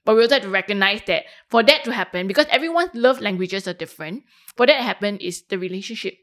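Female, Singaporean accent, mid-pitched; candid, explanatory panel talk with Singlish slang. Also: expressive, fast talker, fairly bright tone. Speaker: panel guest.

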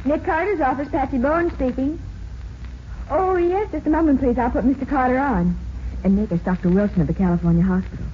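An actress playing a pert, efficient American detective's secretary in a 1940s radio drama, teasing and direct. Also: female voice, sits high, fairly quick, natural voice. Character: bright, teasing young female detective's secretary. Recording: muffled, hissy 1940s radio recording.

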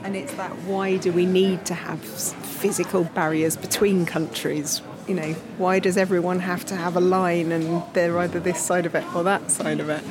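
A woman's voice: on the low side, little pitch movement, normal speed, few pauses, noisy background. A middle-aged woman visiting a museum, reflecting aloud and asking rhetorical questions. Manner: thoughtful, asks rhetorical questions. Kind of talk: reflective interview answers. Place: busy museum gallery indoors. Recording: busy museum crowd behind.

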